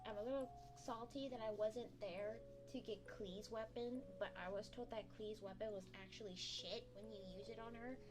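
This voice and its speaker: A woman keeps a moderate tempo while music plays behind her. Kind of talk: casual talk to camera, livestream chatting. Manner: excitable, animated, swearing casually.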